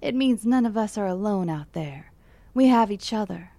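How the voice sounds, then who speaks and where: A woman's voice: mid-range voice, lively intonation, moderate pace, warm tone, no room sound, lightly acted. An actress playing a friendly late-night radio DJ who talks in a chatty, intimate way to her listeners. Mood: warm.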